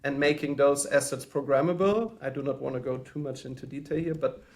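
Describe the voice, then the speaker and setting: Podcast guest, man from Germany, mid pitch, thoughtful, hesitant delivery, remote from home. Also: brisk, a little mellow. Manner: thoughtful, hesitant, many fillers and restarts. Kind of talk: podcast interview answers.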